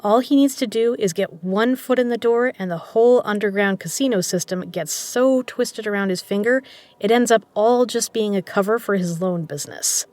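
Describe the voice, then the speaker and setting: Casting: actress for a shrewd underground casino boss and poker legend, medium-pitched, measured and persuasive, for an audio drama. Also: female voice, a little mellow, lightly acted. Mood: concerned, scornful. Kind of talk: scripted audio drama dialogue.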